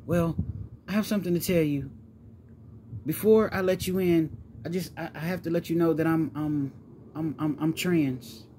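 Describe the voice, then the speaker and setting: Male storyteller as nervous trans woman, hesitant, stammering, pleading, lifted pitch, background noise. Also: fairly even intonation, normal speed, warm tone, close to an everyday voice. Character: nervous, apologetic trans woman confessing to online lover.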